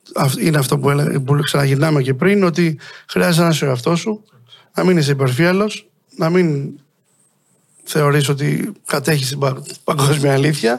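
A man's somewhat breathy, fairly high voice with ordinary pitch variation, very even loudness and long, frequent pauses. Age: 40s. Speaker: entrepreneur and investor. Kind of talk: interview. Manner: halting.

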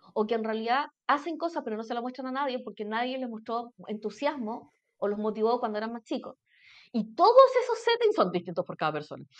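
A woman speaks at a fairly quick pace. Her high voice has lively intonation. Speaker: mentor. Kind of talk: casual interview. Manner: fast.

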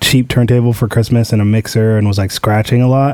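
A man speaks over noticeable background noise. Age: 20s. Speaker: music producer. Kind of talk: casual chat.

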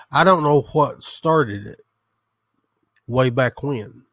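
Talking at a very slow pace with a Southern US accent, a man keeps ordinary pitch variation. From US South. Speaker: podcaster. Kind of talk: solo podcast monologue, casual. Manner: casual, informal, with fillers.

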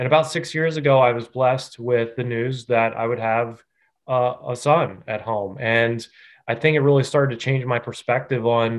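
This man has an American accent and a medium pitch. He talks at a moderate pace with fairly even intonation. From Pennsylvania, Lancaster County. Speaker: children's book author and trades advocate. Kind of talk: casual interview.

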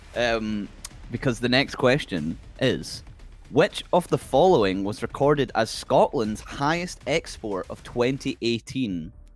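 With music in the background, the voice moves at a very slow pace through a lively intonation. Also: man, medium pitch for a man. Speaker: quiz host. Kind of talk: casual chat.

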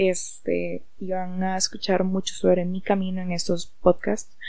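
A woman's dark, mellow tone carries at a moderate pace. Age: 20s. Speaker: podcast host. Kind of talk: personal testimony monologue.

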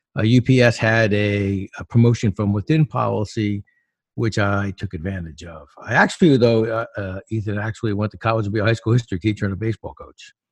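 A man talks fairly quickly in a normal speaking voice, fairly low in pitch. The sound is dry and close with no echo, in a very clean recording with a silent background. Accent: American. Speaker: author and former executive. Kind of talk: casual interview chat.

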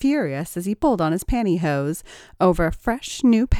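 The voice is heard here. It is a natural reading voice.

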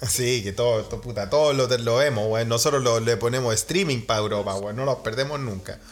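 A medium-pitched man speaks at a fairly quick pace with hardly any pauses and ordinary pitch variation, amid noticeable background noise. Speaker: podcast host. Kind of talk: casual chat. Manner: animated.

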